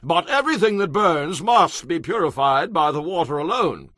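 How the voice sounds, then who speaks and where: Scripture drama casting: solemn priest, high male voice with lively swings, deliberate ceremonial phrasing. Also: no room sound, studio quality. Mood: solemn, instructive. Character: Eleazar, solemn male priest instructing soldiers in ritual law. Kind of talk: dramatized audio Bible acting.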